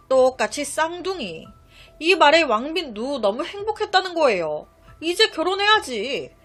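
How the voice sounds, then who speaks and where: A woman spins a true-crime story in a chatty, conversational storytelling manner with asides to her listeners. Her voice is high and bounces lively up and down, over faint background music. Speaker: storytelling YouTuber.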